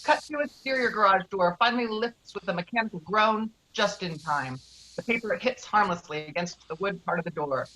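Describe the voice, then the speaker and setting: A woman's voice: mid-range voice, lively intonation, brisk, sharp tone, poor audio. A woman reading screenplay stage directions as the narrator of a table read.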